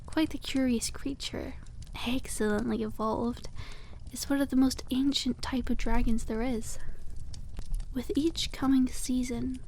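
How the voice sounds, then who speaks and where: Woman playing a high-voiced cute witch shopkeeper, soft-spoken. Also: fairly even intonation, unhurried, vocal fry, slight background noise, rough recording. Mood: enthusiastic, informative. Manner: gentle sales patter, quaint polite wording. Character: cute, cheerful young witch keeping a dragon egg shop. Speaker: ASMR roleplay performer. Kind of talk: soft-spoken ASMR roleplay, one-sided conversation with a customer.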